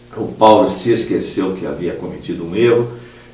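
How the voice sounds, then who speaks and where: A man talks against noticeable background noise. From Brazil, Santa Catarina born, Paraná broadcaster. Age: 50s. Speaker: radio and TV announcer and newscaster. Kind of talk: interview answer, storytelling anecdote about broadcasting. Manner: casual, conversational, animated.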